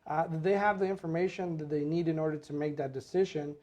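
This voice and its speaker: A man co-hosting a casual podcast as a real estate agent, relaxed and chatty with many fillers. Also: a little high, quick pace. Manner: relaxed, repeats himself, filler-heavy.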